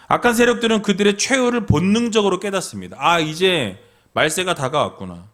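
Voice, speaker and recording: Male pastor, middle-aged; earnest sermon delivery, somewhat high and very animated pitch. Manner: earnest, addresses congregation directly with rhetorical questions.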